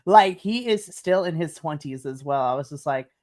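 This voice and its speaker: A woman's voice: deep voice, animated, moderate pace, a little mellow. A woman co-hosting a casual wrestling recap, chatty and enthusiastic, often breaking into giggles. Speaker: podcast co-host.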